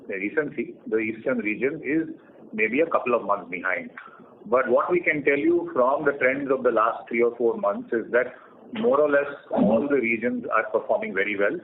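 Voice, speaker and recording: An Indian-accented man speaks over a narrow, tinny phone line with some noise. He gives measured, explanatory answers as a company executive, in a mid-pitched voice. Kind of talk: earnings call answers.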